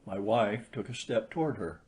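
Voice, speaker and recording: A man's voice: on the low side, moderate pace, a little mellow. A man reading a literary short story aloud as an audiobook narrator.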